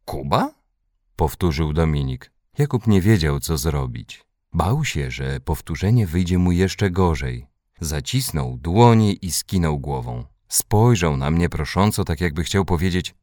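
A man reading a children's story aloud with expressive narration. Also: low voice, measured pace, no echo, clean studio sound. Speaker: audiobook reader.

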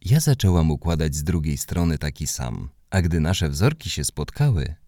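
A man reading a children's story aloud in the first person, expressive and animated. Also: very deep voice, normal speed, no room sound, studio quality. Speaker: narrator.

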